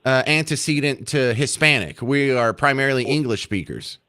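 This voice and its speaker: A man hosting a call-in talk radio show, wry and animated as he takes callers. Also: medium pitch, moderate pace, smooth. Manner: wry, animated, takes calls and argues points.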